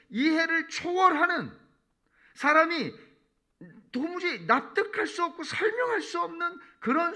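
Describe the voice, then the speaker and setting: A male preacher voicing God as a gentle, caring father, speaking slowly in a coaxing, intimate way. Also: very high-pitched, pitched above the performer's own voice, exaggerated voice. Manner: coaxing, intimate, slowed-down reassurance.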